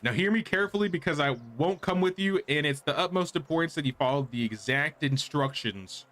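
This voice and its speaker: A man's voice: fairly high pitch, fairly quick, fairly bright tone, lightly acted. A man voicing a cryptic, mystical video game quest-giver in a solemn, instructive way. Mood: grave, instructive. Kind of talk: reading game character dialogue aloud.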